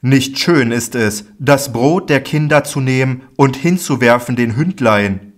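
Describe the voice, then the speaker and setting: A man's voice: medium pitch, natural voice. A man reading a stern preaching teacher. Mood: admonishing. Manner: declaiming, emphatic, slow. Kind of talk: solemn Bible audiobook reading.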